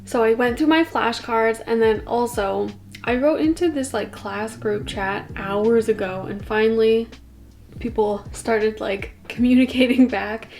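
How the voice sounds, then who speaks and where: A young woman from Canada chats to her vlog camera with a slightly high voice. She rambles easily, dropping fillers and small laughs. Soft music plays underneath. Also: unhurried. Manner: chatty, filler-heavy, laughs often. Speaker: vlogger. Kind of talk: casual vlog talk to camera.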